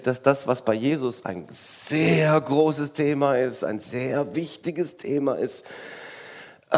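A man's voice: mid-range voice, gravelly. A man preaching a sermon in a conversational way, full of rhetorical questions and wry asides.

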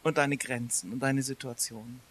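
Lively, conversational male preacher. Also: mid-range voice, normal speed, slight background noise. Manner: lively, conversational, swings between loud emphasis and quiet asides. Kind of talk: sermon.

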